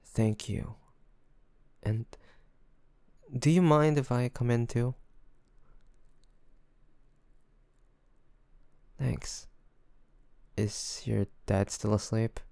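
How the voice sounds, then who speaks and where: Casting: male actor as devoted, worried boyfriend for one-sided audio drama; gentle, hesitant, slightly gravelly voice, close dry sound. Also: medium pitch, no room sound. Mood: coaxing, soft. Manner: gentle, hesitant, pleading, with sighs and pauses. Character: loving, worried boyfriend coaxing his sick partner to rest.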